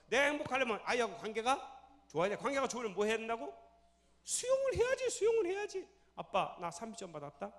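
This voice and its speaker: A man preaching a sermon in a church, animated, firing questions at the congregation and acting out scenes. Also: very high-pitched. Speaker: pastor.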